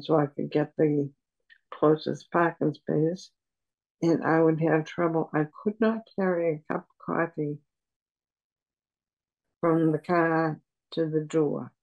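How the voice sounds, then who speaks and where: An older woman on a video call at home, speaking softly and haltingly with many pauses as she talks about her life as a patient. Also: deep voice, narrow, tinny audio. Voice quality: soft voice. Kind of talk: personal account in an interview. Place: room at home. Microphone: video call webcam.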